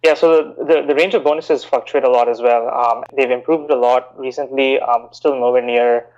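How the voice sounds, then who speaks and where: A man in his thirties from India, raised in Bahrain, answering interview questions in a measured, explanatory way with frequent "you know" fillers. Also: mid-range voice, fairly even intonation, darkish tone, lo-fi sound. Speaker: guest, investment banker.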